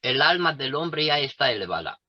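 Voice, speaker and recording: A man speaking slowly and deliberately on a video call, pausing often for his interpreter. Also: mid-range voice, sing-song. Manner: deliberate, with pauses and fillers. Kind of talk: slow lecture-like talk, pausing for translation. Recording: dry, lo-fi video call audio.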